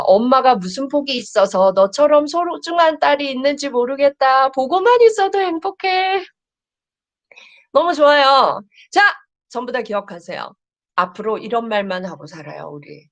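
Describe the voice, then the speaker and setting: A middle-aged woman counselor giving a live-streamed lecture to viewers, warmly reading their chat messages aloud. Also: mid-range voice.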